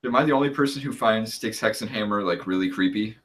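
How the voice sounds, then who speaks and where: A man's voice: on the low side, fast, fairly bright tone. A man chatting in a laid-back way on a group stream, laughing and using lots of fillers. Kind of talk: casual chat.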